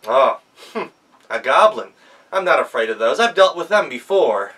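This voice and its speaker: A man's voice: medium pitch, sing-song, moderate pace, a bit bright, far from the mic. A man voicing a brave young woman in a folktale, polite but determined and direct. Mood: bold.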